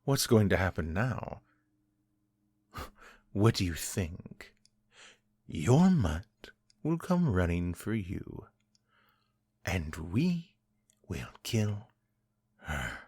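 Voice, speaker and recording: A man voicing a cruel male vampire master who taunts his captive in slow, menacing speech that sinks into whispers. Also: low voice, very animated, darkish tone, breathy edge, no room sound, clean studio sound, heavily acted. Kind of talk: audio drama acting.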